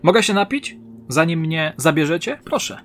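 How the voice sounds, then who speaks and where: A man's voice: on the high side, animated, moderate pace, fairly bright tone, slight background noise, pitched above the performer's own voice. A man voicing a despairing, drunk bearded stage actor in his fifties, theatrical and self-pitying. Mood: miserable.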